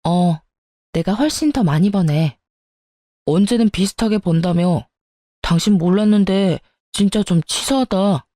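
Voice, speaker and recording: A woman's voice: medium pitch, unhurried, mellow, dry recording, studio quality, lightly acted. A woman voicing a greedy, demanding young husband who talks in a petulant, accusing way. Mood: whiny.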